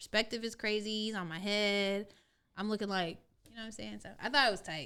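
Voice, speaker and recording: This woman talks at a fairly quick pace with a Texan accent. Her medium-pitched voice has a bright, sharp tone, fairly even intonation and big swings in loudness. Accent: Texas Southern. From Texas, Dallas. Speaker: tattoo artist and music artist. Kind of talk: casual interview.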